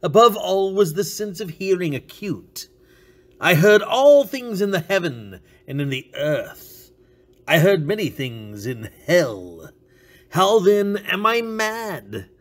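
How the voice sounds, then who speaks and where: A man's voice: sits high, big pitch swings, slow pace, heavily acted. A man voicing a sly, unhinged male murderer who narrates his crime with theatrical menace, sudden whispers and outbursts. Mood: menacing. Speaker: reader. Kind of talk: dramatic reading.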